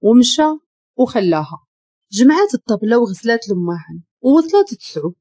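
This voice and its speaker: A woman with a Moroccan Arabic accent narrating a dramatic story in an expressive, emotional way. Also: a little high, a little fast, breathy edge, no room sound.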